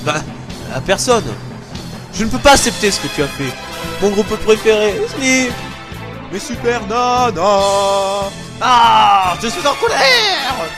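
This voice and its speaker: A man's voice: sits high, expressive, slow, full character voice. A man playing a young, hot-headed, plaintive hero in an amateur anime parody. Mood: sulky, angry. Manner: melodramatic, plaintive. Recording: amateur recording under loud music.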